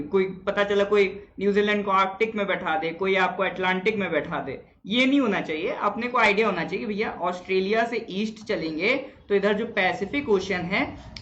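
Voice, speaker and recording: A man's voice: high voice, a bit bright, highs cut off. A man teaching a live online exam-prep class, chatting with viewers, reading out their answers and quizzing them.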